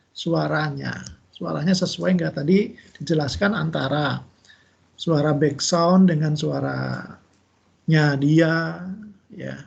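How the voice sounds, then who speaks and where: A man lecturing over a video call in a gravelly, somewhat husky voice that sits a bit high for a man. He gives relaxed, chatty feedback to his students, full of fillers and tag questions. The sound is dull and lo-fi. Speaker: university lecturer. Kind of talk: giving feedback in an online class.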